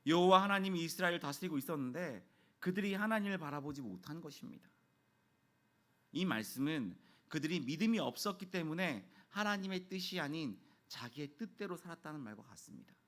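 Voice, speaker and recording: A man's voice: expressive, fairly quick, a bit bright. A man in his thirties, a pastor, preaching a midweek sermon in a church and acting out quoted dialogue in his stories. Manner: storytelling, acts out quoted dialogue with raised pitch. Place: church sanctuary.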